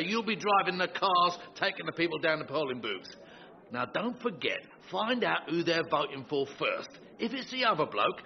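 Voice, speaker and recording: A man playing a shady, cheerful campaign fixer in a radio sitcom, slangy and wisecracking. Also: fairly high pitch. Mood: conspiratorial. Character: shady, cheerful male wheeler-dealer campaign manager. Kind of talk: British radio sitcom acting. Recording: slightly dull, muffled recording.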